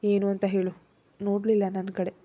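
A brooding young husband who speaks curtly and seriously, as a woman storyteller reads him. The voice is dark and soft-edged with a husky grain. He comes across as a storybook character read aloud. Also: mid-range voice, monotone, moderate pace, lightly acted. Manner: curt, serious.

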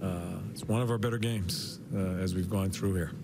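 An older man in his sixties, a head coach, answering postgame press questions in halting bursts with repeated words and many fillers. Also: low-pitched. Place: arena press room. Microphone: podium mic, medium camera shot. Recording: broadcast feed with steady background noise.

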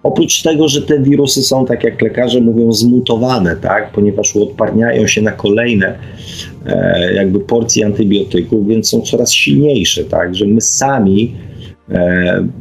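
With faint music in the background, a middle-aged man from Poland speaks in a lowish, creaky voice, a little slowly. He's hosting an unscripted radio monologue, pondering and reading listener comments, hesitant and often ending with a questioning tag.

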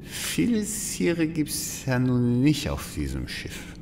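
Radio play role: lonely down-and-out alcoholic man played by an actor, mid-pitched, dragging, muttering delivery with very wide intonation. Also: huge pitch swings, slow, creaky, background noise, heavily acted. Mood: tender, wistful. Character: lonely homeless alcoholic Russian man, down on his luck. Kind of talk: audio drama acting.

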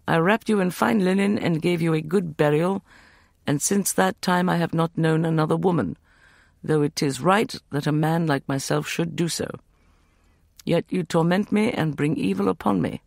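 A man voicing a learned young man who speaks in a measured, precise way in an audiobook. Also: on the high side, vocal fry, no room sound, clean studio sound, voice pushed up.

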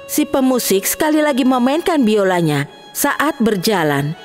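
A woman narrating a children's storybook cartoon with clear, expressive delivery. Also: fairly high pitch, normal speed, soft background music.

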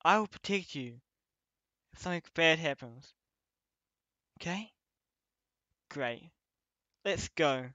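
A man playing a protective young companion leading an escape in an ASMR roleplay, speaking haltingly in short phrases. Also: on the high side, animated, pushed and bright, dry recording, highs cut off, heavily acted. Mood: urgent, reassuring.

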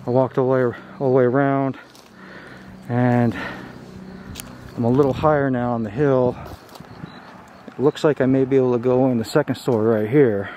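Walking through derelict buildings and outdoor spots, a thirty-something vlogger talks his way through an informal exploration, pausing and thinking aloud as he goes. He has a mid-pitched voice with fairly even intonation. The recording, made on a handheld camera at arm's length, is muffled with a light layer of ambient noise.

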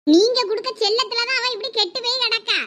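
Speaking in a very high voice, this woman plays a village mother with a Thoothukudi Tamil accent in a comedy skit. She keeps scolding her daughter, nagging her in quick, sharp jabs.

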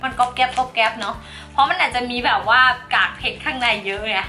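A woman's voice: on the high side, fast talker, sharp tone, soft background music. A woman hosting a casual chat vlog in a chatty, giggly, playful way. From Thailand. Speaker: slime channel host.

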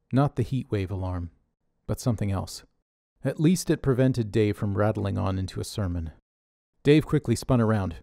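A man's voice: lowish voice, creaky, dark tone, no room sound. A man narrating a scripted audio drama with dry, wry humor. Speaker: narrator and writer.

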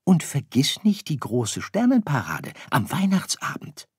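A man's voice: fairly high pitch, huge pitch swings, a little slow, slightly rough, no echo, studio quality, pitched above the performer's own voice, exaggerated voice. A man doing a caring mother star. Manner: soft, coaxing. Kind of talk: audiobook character voice.

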